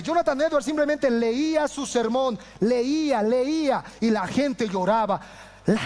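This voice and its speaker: A pastor preaches with fervor, his fairly high voice rising to loud declarations and falling to near-whispers. A long reverb trails each phrase, the sound of a church hall. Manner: impassioned, swinging from loud to hushed. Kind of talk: sermon.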